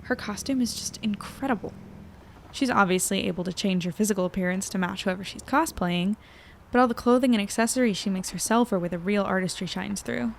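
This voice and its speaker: A woman's voice: mid-range voice, brisk, creaky, slight background noise, natural voice. A woman playing an upbeat young reporter who narrates a chatty audio journal in an audio drama. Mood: chatty, pleased. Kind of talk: conversational first-person audio drama narration.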